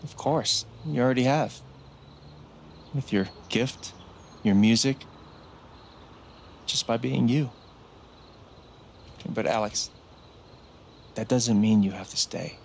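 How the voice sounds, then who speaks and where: An actor playing a calm, encouraging older brother in a video game drama, speaking gently and reassuringly. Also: male voice, medium pitch, vocal fry, slight background noise. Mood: warm, encouraging. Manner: slow, tender, reassuring.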